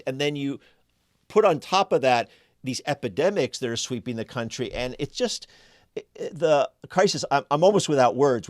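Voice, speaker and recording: An impassioned male podcast host delivers political commentary with strong emphasis. His voice sits at an ordinary pitch. The recording is dry and close, with no room sound. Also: no echo.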